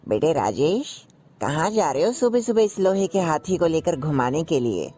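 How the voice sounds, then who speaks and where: An actor playing a nagging older uncle who scolds and teases in a slow, deliberate way. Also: male voice, a little high, very animated, mellow, breathy edge, faint music behind.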